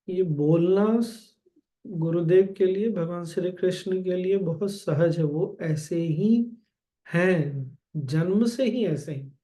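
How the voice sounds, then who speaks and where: Slow, mellow-voiced spiritual teacher man. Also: on the high side. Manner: calm, gentle, addresses listeners directly. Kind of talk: spiritual discourse.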